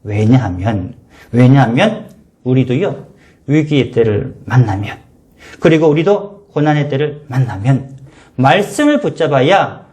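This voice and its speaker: A man's voice: on the high side, a little mellow. A male pastor preaching a sermon for a home worship service, earnest and emphatic, building to fervent appeals.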